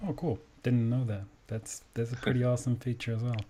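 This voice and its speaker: German male host, native German speaker, mellow timbre, enthusiastic casual interviewer. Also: medium pitch, flat delivery, a little fast, breathy edge. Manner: enthusiastic, says "awesome" often.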